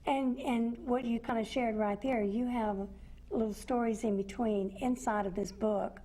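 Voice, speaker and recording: A woman's voice: fairly high pitch, fairly even intonation, measured pace, mellow. A middle-aged woman hosting a television interview, prompting her guest with simple, encouraging questions. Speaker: television show host. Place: indoor television studio.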